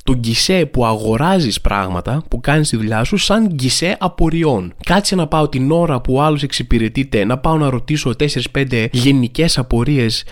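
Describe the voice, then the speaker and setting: A man's voice: mid-range voice, few pauses. Rambling comic male podcast host. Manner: rambling, animated, heavy with filler phrases. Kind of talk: comic storytelling monologue.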